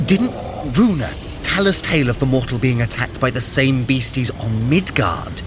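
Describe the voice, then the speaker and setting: A man's voice: medium pitch, moderate pace, background noise, natural voice. An actor playing a proud, indignant male trickster god and mage in a fantasy audio drama, with haughty, dramatic, archaic phrasing. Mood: urgent, wry. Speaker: character in a story-based running workout.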